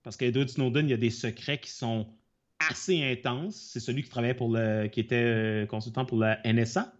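A man's voice: medium pitch, fairly even intonation, brisk. A man co-hosting a podcast, explaining things in a rambling way with many fillers and self-corrections. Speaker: podcast co-host. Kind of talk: casual chat. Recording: dull lo-fi sound.

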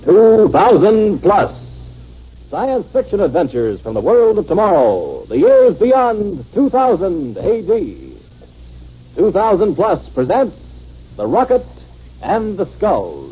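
A man's voice: high voice, huge pitch swings, husky, exaggerated voice. An American man making a dramatic, theatrical announcement in 1950s radio style. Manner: slow, grandly theatrical. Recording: muffled 1950s radio recording.

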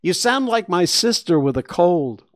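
A man's voice: high voice, sing-song, measured pace, no room sound, clean studio sound, voice pushed up. A man voicing a nervous, polite young boy in a story, who stammers when frightened. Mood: earnest.

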